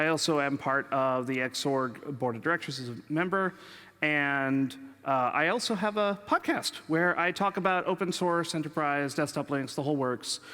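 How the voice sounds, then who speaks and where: The man has a fairly high pitch and a bright, sharp tone, with an American accent. He speaks at a moderate pace with ordinary pitch variation. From United States. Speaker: open source consultant; conference speaker. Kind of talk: conference talk. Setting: stage with audience. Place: stage.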